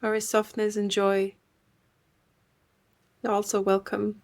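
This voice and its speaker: Woman softly guiding a meditation. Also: medium pitch, completely flat delivery. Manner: gentle, unhurried, with long pauses. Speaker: meditation guide and host. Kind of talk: guided meditation.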